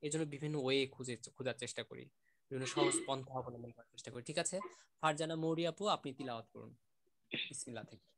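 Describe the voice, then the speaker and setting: Guy teaching an online class, gentle and encouraging, says sounds over and over. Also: medium pitch, fairly even intonation, very fast.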